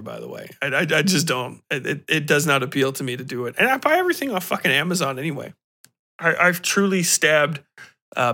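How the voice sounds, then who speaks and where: A man in his thirties talking casually as a podcast host, ranting and reminiscing in a profane, slangy, animated way. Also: fairly high pitch. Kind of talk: casual solo rant, reminiscing.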